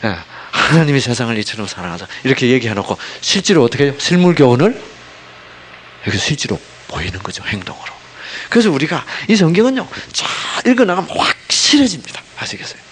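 A man preaches a sermon with a very lively, swooping pitch, throwing rhetorical questions at his listeners. He swings between loud emphatic phrases and near-whispered asides. A faint hiss of noise sits under the recording. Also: quick pace. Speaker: pastor.

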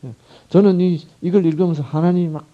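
A male pastor preaching a sermon, constantly quizzing the congregation with questions and swinging from loud calls down to whispers, on a muffled recording. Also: high-pitched, steady tone, fairly quick. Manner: call-and-response questions to the congregation.

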